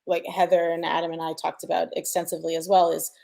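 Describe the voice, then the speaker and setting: A woman with a lowish voice and noticeable vocal fry explains her work in a casual panel talk. She sounds like a sound designer, informal and explanatory, often framing points as questions. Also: flat delivery, fast, mellow.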